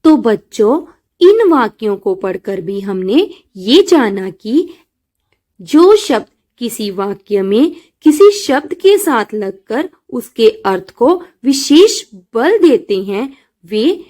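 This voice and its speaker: An Indian woman teacher speaks slowly and carefully, as if to a class of young pupils. Her voice sits a little high and rises and falls with a lively, sing-song lilt. She explains step by step and reads example sentences out slowly. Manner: slow, patient, addresses pupils as children and dear. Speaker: school teacher. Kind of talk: online class lesson.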